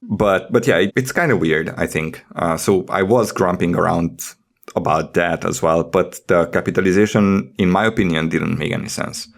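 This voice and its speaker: A man's voice: low voice, normal speed, vocal fry. A man chatting casually as a podcast co-host, in a grumbling, skeptical manner. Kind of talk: casual panel chat.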